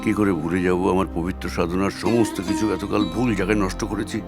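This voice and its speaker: A man's voice: low-pitched, steady tone, a little fast. An actor playing a stern, wounded father and music teacher who refuses to forgive his daughter. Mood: bitter. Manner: bitter, unbending. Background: loud film score music.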